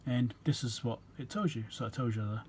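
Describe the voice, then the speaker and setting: A man's voice: mid-range voice, fairly quick, a little mellow, a little hiss or hum. A man giving a casual technical explanation as a repair video host, rambling and matter-of-fact as he thinks aloud.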